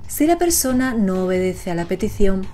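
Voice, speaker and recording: A woman's voice: mid-range voice, big pitch swings, normal speed, mellow, faint music behind. A woman reading scripted narration as the narrator of an explainer video.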